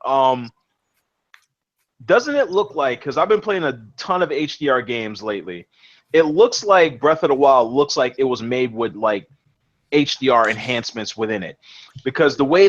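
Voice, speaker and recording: A young man hosting a casual gaming podcast, talking excitedly, swearing freely and repeating his words as he goes. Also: mid-range voice, lo-fi sound. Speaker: podcast host.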